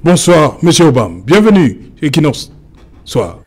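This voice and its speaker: A man's voice: on the high side, very animated, a little slow, husky. Young man hosting a TV debate. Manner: probing questions with restarts. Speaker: TV debate host. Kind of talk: studio talk show moderation. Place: TV studio.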